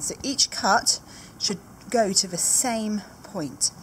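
A woman talks over light background noise. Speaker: cookery teacher. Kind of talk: tutorial. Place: classroom.

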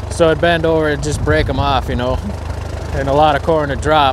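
A man's voice sounds dry with no echo, set against noticeable background noise. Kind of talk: casual explanation to viewers. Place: farm machine.

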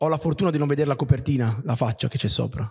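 A fairly high-pitched man's voice with ordinary pitch variation against a quiet background. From Bari, Italy. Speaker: author, blind social media creator. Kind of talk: casual, humorous book presentation. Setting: stage book presentation. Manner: ironic, joking. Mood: light, ironic. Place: shop. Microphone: handheld.

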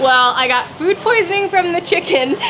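A woman uses a raised, projected voice at a moderate pace. Light background noise is present. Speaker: travel vlogger. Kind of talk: casual vlog chat. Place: street. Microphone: phone near.

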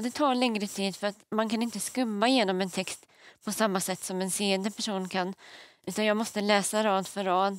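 A woman talks at a moderate pace with fairly even intonation. The background is quiet and the sound is dry with no echo. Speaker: interview guest. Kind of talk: TV talk show interview. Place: studio. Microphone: lapel.

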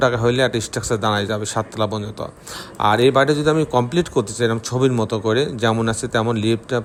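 A man with a mid-range pitch keeps his intonation mostly level while clear background noise sits beneath him. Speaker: civil engineer presenting house designs. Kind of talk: tutorial. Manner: formal.

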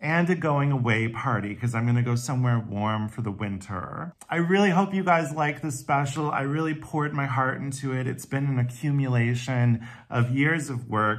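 With a quiet background, a man speaks at a medium pitch and a moderate pace, with ordinary pitch variation and hardly any pauses. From Canada. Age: 30s. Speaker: comedian; comedian promoting his special. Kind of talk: promotional announcement. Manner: animated. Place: home room. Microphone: phone near.

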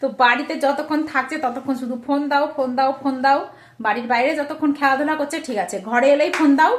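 Her intonation fairly even, a woman talks in a high-pitched voice. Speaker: vlogger and homemaker. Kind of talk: casual vlog narration. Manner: chatty, informal.

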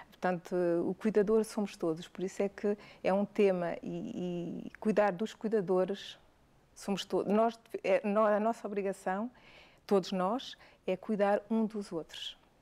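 A woman speaks at a fairly slow pace with a dark, mellow tone. Her intonation is fairly even, and her pauses are long and frequent. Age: 60s. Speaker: caregiver association founder; guest. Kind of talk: talk show interview. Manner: halting. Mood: earnest, emotional story. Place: studio. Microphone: lapel.

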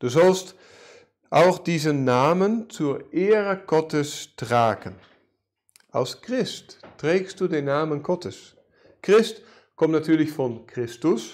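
Over a quiet background, a man with a fairly high pitch speaks at a very slow pace, with lively intonation and long, frequent pauses. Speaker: pastor. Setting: church. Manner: earnest, measured and didactic, narrating the David and Goliath story plainly. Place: church.

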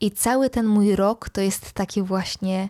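A woman with a dark, mellow tone speaks at a moderate pace with fairly even intonation. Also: dry, close sound with no echo. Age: 30s. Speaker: podcast host. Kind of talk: casual monologue.

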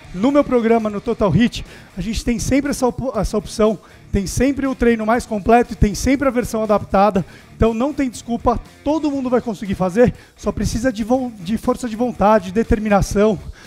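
With faint music in the background, a man of high pitch and ordinary pitch variation speaks at a fairly quick pace. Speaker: fitness instructor. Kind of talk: workout instruction. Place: home room. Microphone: headset.

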